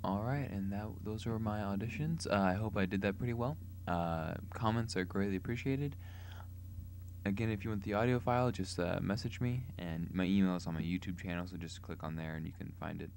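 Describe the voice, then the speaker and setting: Low-voiced man with background noise. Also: brisk, darkish tone. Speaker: amateur voice actor submitting an audition. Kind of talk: casual self-introduction for an audition.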